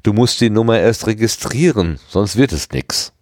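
A man reads aloud, playing a condescending, patronizing popular teenage girl, his lowish, slightly mellow voice pushed up from something close to his everyday one. He's expressive and speaks at a normal speed, captured in a dry, clean studio recording.

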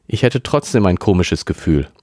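An eager, curious teenage girl who asks bright questions, done by a man reading a story. He pushes his very low voice well up for her. The sound is close and dry. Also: expressive, moderate pace, no echo.

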